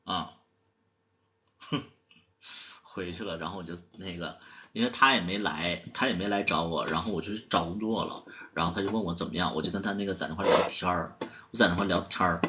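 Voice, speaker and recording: A man's voice: sits low, brisk, pushed and bright. A man livestreaming, casually telling a story in a chatty, rambling way and acting out the dialogue himself. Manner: chatty, rambling, drops to a murmur.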